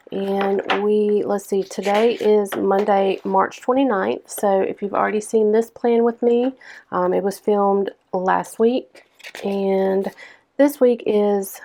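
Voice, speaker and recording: A young woman with a hoarse, stuffed-up voice chatting casually through a planner-decorating vlog. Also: mid-range voice, a little mellow. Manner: chatty, lots of ums, unhurried. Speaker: planner vlogger. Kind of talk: casual plan-with-me narration.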